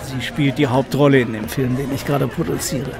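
A man's voice: mid-range voice, steady tone, a little fast, vocal fry, lightly acted. An actor playing a jovial, womanizing Hollywood millionaire producer in a radio play, chummy and playful. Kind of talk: German radio play acting. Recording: party crowd and music behind.

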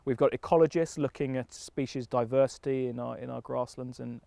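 A man speaking outdoors on a farm in a relaxed, conversational way, restarting phrases as he goes. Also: mid-range voice, a little fast, vocal fry, dry recording. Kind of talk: on-camera interview. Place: outdoors leaning on a farm fence. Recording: faint music underneath.

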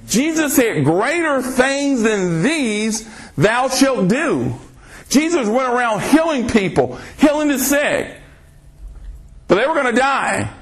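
A man preaching a sermon on a podcast, reading scripture aloud and pressing listeners with rhetorical questions. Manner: slow, emphatic delivery with sudden pitch swings.

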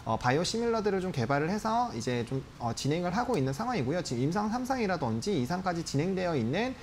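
A man's voice: high-pitched, big pitch swings, fast talker, faint music behind. A man in his thirties giving polite, explanatory market analysis as a guest on a studio stock show. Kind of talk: live market analysis commentary. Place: TV studio desk.

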